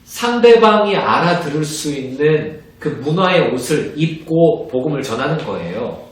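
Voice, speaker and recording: A man, a pastor, giving an evangelism training lecture in an animated way, acting out little conversations as he teaches. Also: on the high side, moderate pace. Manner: animated, acts out little dialogues in different voices. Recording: very echoey room, distant mic.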